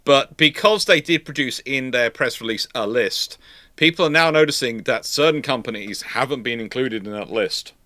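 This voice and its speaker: Male livestream host, very bright forceful voice, medium pitch, dry close sound, stammering restarts, casual explanatory talk. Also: normal speed, no echo. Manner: stammering, repeats words and restarts mid-phrase. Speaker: livestream host answering viewer questions. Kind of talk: casual live question-and-answer talk on naval history.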